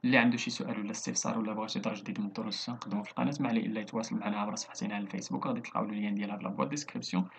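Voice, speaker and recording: A man's voice: lowish voice, rapid-fire, vocal fry, few pauses, a little hiss or hum. A man with a Moroccan Arabic accent teaching a recorded online lesson, going through words one by one. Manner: steady explaining, spelling out word after word.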